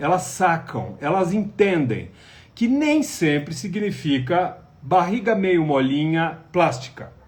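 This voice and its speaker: A man's high, animated voice with lively intonation and audible room echo. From Minas Gerais, Brazil (Patos de Minas). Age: 50s. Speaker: plastic surgeon. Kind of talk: live stream talk to viewers.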